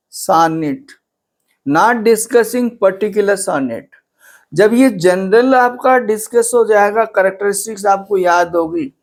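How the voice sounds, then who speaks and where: A man teaching an exam-prep lecture, who asks the class questions and answers them himself, mixing Hindi with English terms and drawing out key words slowly. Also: high-pitched.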